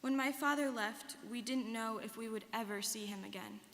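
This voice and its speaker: In a reverberant hall with faint noise, a young woman delivers an earnest, rehearsed first-person performance as a student, playing an earnest young woman recalling her life story. Her natural voice is somewhat high and fairly bright, at a moderate pace.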